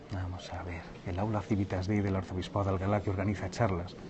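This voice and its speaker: Through audible room echo and noticeable background noise comes a man's very deep, low voice. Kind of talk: casual chat with livestream viewers before a talk. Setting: livestream from a phone in front of an auditorium. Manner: animated; speaking quietly.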